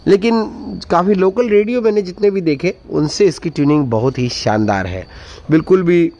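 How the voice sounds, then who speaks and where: A man's voice: sits high, animated, normal speed, highs cut off. A man casually demonstrating a radio, chatty and enthusiastic, repeating his praise, recorded on a phone indoors. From India. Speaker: radio reviewer. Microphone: phone camera held close to the radio. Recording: loud radio music playing behind.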